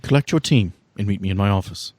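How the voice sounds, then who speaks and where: Man playing a composed, low-voiced female team leader. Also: a little mellow, no room sound, natural voice. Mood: warm, solemn. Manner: measured, formal, earnest. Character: composed, caring female team leader, guilt-laden and firm.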